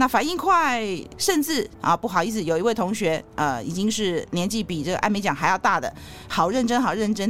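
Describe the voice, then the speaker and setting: A woman talks at a fairly quick pace over background music, her fairly high voice making very wide pitch swings. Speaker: interpreter and podcast host. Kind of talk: casual interview.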